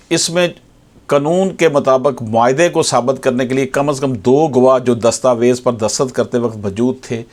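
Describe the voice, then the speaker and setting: Man, Pakistani accent, mid-pitched voice, formal legal lecturer, repetitive emphasis, slow read-out English phrases. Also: a little mellow. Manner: formal, repeats key points, switches into slowly read-out English. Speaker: advocate presenting legal explainers. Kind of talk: explanatory legal lecture to viewers.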